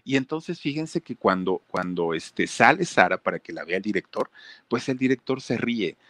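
A man's voice: fairly low pitch, animated, moderate pace, a bit bright, dry recording. A man with a Mexican accent casually telling a story, talking straight to his listeners with plenty of fillers. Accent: Mexican Spanish. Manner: chatty, addresses listeners directly, many fillers.

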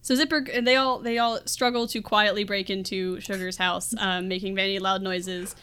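A woman's voice: mid-range voice, level tone, moderate pace, a bit bright, a little hiss or hum. A woman chatting casually as a podcast co-host, giggly and rambling as she recaps a plot and acts out quoted lines.

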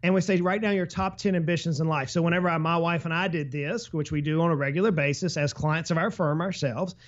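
Upbeat male advisor, slightly high voice, conversational, muffled lo-fi audio. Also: quick pace. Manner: energetic, explains with travel analogies and hypothetical quotes. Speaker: financial advisor guest. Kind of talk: casual business podcast talk.

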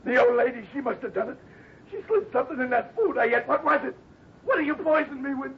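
High-pitched bullying outlaw gunman. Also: expressive, quick pace, slightly rough, exaggerated voice. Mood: agonized, panicked. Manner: threatening, slangy, uneducated speech. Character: snarling desperate outlaw gunman, bullying and cocky. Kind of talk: 1950s radio western acting. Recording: muffled, noisy old radio broadcast recording.

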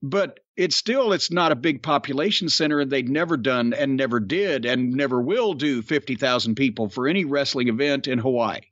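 A man's voice: medium pitch, moderate pace, few pauses, a bit bright, no echo, dull audio. A middle-aged man, hosting a wrestling podcast, drawling and storytelling as he quizzes his co-host. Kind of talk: casual wrestling podcast chat.

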